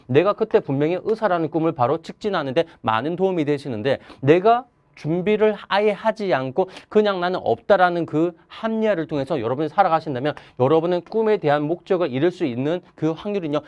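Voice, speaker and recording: A man's voice: on the high side, a little mellow, muffled recording. A man in his thirties, a mind coach, giving an earnest, emphatic motivational lecture to students, recorded on a lapel mic in a chalkboard studio.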